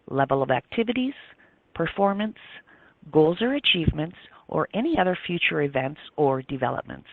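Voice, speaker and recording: Male call operator, formal scripted read, animated intonation, dry tinny telephone sound. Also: a little high, creaky, no room sound. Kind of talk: scripted corporate announcement. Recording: narrow tinny phone line.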